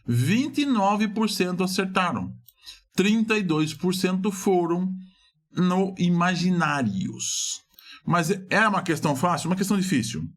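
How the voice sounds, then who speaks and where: A middle-aged man with a Brazilian Portuguese accent, reviewing exam questions in a lively lesson and often asking and answering his own questions. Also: sits high, a little slow. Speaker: exam prep teacher.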